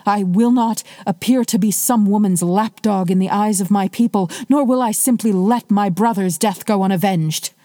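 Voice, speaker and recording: A woman's voice: mid-range voice, normal speed, hardly any pauses, mellow, no room sound, close to an everyday voice. A woman voicing a proud, stubborn young king. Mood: defiant. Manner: firm, declaiming.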